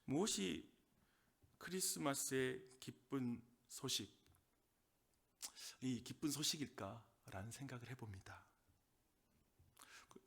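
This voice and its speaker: Preaching in a husky, medium-pitched voice, a male pastor with a Gyeongsang Korean accent alternates between forceful, emphatic declarations and quiet whispered asides.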